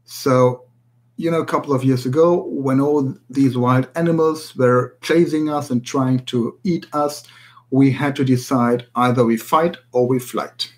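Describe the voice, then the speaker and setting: A man from Germany, a native German speaker with a German accent, giving instructions as a language teacher in a measured, explanatory way. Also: medium pitch, steady tone. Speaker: language teacher, academy director. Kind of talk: spoken tutorial to listeners.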